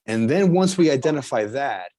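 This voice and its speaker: A middle-aged man with a South Jersey accent, a chiropractor explaining his healing technique in an interview, halting and restarting as he talks. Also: mid-range voice, expressive, dark tone. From New Jersey. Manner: halting, with frequent restarts and fillers. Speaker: chiropractor and healer, guest.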